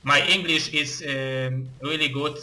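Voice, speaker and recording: A man with a Russian accent casting a live strategy game tournament, excitable, with halting non-native phrasing. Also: a little high, rough recording. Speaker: esports caster and tournament host.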